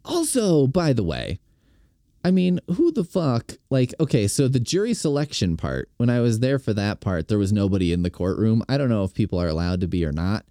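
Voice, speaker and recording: A man's voice: on the low side, very animated, fairly quick, mellow, no echo, clean studio sound. A man hosting a podcast, giving rambling, sarcastic and profane commentary on a video. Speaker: podcast host.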